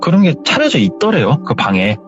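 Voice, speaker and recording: A man hosting a horror story radio show, retelling a true scary tale in an animated, conversational way. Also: a little high, fairly quick. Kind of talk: told horror story, casual spoken. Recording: slightly dull recording with faint music.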